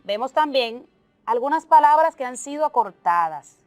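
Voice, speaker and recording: Woman teacher, slightly high voice, unhurried, methodical, dry close sound. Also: lively intonation, darkish tone, dry recording, faint music behind. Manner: slow, deliberate explaining with lists and examples. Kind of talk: televised remote class.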